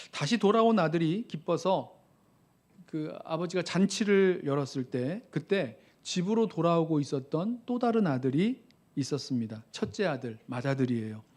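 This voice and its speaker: A man's voice: fairly high pitch, darkish tone. A man who is a pastor, delivering a sermon with earnest rhetorical questions to his congregation.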